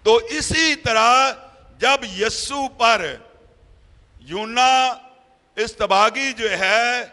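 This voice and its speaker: A man in his forties preaching a sermon into a handheld microphone in a church hall, emphatic and repetitive, swinging between loud and soft. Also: extremely high pitch, extremely slow. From Pakistan. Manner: emphatic, repeats key phrases, rises and drops sharply. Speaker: evangelist preacher. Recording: long reverb of a hall.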